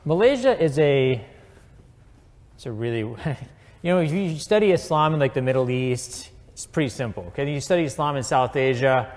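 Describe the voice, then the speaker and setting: A man at a public talk answers a question from the audience, thinking aloud in a measured way and often restarting his sentences. His voice sits at an ordinary middle pitch. It rings out with the long reverb of a big hall. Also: expressive, a little mellow. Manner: thoughtful, measured, with fillers and restarts. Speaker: guest speaker. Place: lecture hall.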